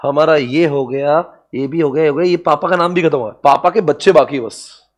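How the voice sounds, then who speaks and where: A man's voice: a little high, normal speed. A man giving a classroom lecture on business strategy to students, playful and joking, often breaking into laughter. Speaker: commerce exam lecturer.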